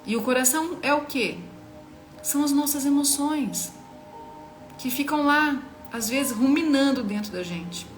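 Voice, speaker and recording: A woman's voice: high voice, expressive, measured pace, soft background music. A woman in her thirties with a Brazilian Portuguese accent, giving an earnest, emphatic devotional teaching and speaking straight to the listener.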